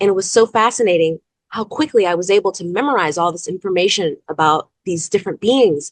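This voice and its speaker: A woman at medium pitch speaks at a moderate pace in an animated tone with ordinary pitch variation, in a dry, close sound with no echo. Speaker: spiritual guest speaker on starseeds. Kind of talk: interview, personal story.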